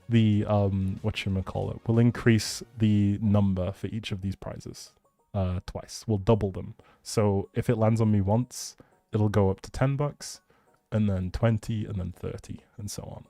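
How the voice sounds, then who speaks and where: A man's voice: lowish voice, fairly even intonation, unhurried, mellow, no echo, faint music behind. A man hosting a livestream in a chatty, rambling, informal way, as if talking casually with viewers. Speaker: livestream host. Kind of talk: casual livestream chat, giveaway announcing.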